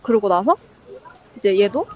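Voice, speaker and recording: A woman tells a ghost story in loose, rambling chat, packing it with fillers and acting out the lines she quotes. Her voice sits at a middle pitch, and the recording is dull and lo-fi. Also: animated, normal speed, a little hiss or hum. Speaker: guest storyteller. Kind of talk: casual spoken ghost story. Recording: dull lo-fi sound.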